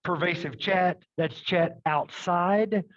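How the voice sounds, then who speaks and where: A man's voice: sits high, slow, fairly bright tone, no echo, dull audio. Upbeat man presenting a webinar. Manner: upbeat, addresses audience with "okay?" and "right?". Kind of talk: live webinar demo.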